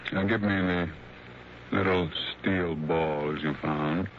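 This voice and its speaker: An actor playing an older blind husband in a 1960s radio drama, speaking slowly with resigned sadness. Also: male voice, low voice, steady tone, a little hiss or hum. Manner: slow, resigned and sad. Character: older blind man, husband of a young wife. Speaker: Mister Porter. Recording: dull lo-fi vintage radio broadcast.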